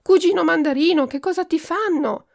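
A woman's voice: fairly high pitch, lively intonation, moderate pace, vocal fry, a little mellow. Donna Seconda, a woman doing a fretful widowed countess. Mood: anxious. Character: worried widowed countess, grudging and anxious.

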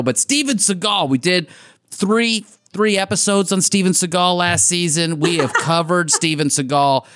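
A man's voice: a little high, no room sound, clean studio sound. A man hosting a podcast, chatting casually and recapping news stories with frequent laughs and restarts. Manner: animated, laughs often, trailing restarts. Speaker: podcast host.

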